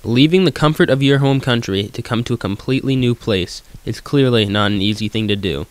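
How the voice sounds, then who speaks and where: A teenage boy narrating a scripted school news segment in an even read-out manner. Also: mid-range voice, brisk, clean tone, no room sound. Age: teens. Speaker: student news reporter.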